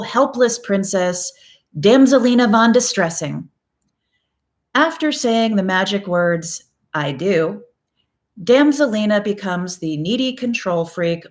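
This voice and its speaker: A woman with a slightly low-pitched voice presents a scripted educational talk as a psychologist would to an audience of clients. Her delivery is wry and emphatic. She phrases things deliberately, setting key words apart. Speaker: psychologist host.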